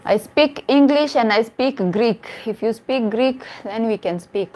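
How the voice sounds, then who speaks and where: A woman's voice: on the high side, measured pace, darkish tone. Earnest woman in her forties. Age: 40s. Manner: earnest, repeats and restarts phrases for emphasis. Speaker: dating coach. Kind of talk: casual live-stream chat answering viewer comments.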